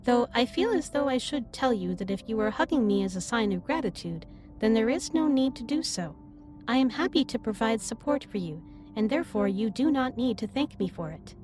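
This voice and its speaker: A woman plays a female alien starship captain in a sci-fi roleplay, gentle and earnest. Her voice sits fairly high and moves in very lively swings of pitch. She words things formally and precisely, a little stiffly, as she talks directly to the listener. Faint music runs underneath. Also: brisk, natural voice. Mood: tender, sincere. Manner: formal, precise, slightly stilted wording. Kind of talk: scripted roleplay audio, addressed to the listener.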